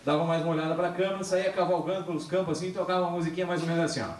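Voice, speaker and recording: A man gives a lively public talk to a young audience, holding a handheld microphone and acting out dialogue as he tells stories. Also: fairly high pitch, racing, slight background noise. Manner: animated storyteller, acts out dialogue, gestures. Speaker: public speaker on alcohol and drugs. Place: large hall with a seated audience. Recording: echoey hall, camcorder recording.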